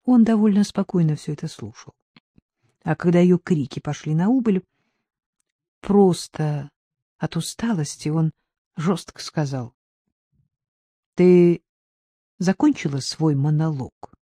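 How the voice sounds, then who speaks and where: A woman reading a novel aloud as audiobook narrator, in steady, even storytelling. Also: lowish voice, a little slow, pauses often, slightly rough, dry recording, studio quality. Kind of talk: scripted narration.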